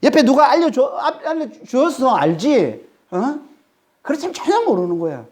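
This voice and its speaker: A man from Korea preaching an expository sermon, emphatic and animated, repeatedly checking in with the congregation. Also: very high voice, normal speed. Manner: emphatic, keeps asking the congregation "eh?"; animated, rises sharply when dramatizing. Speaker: pastor.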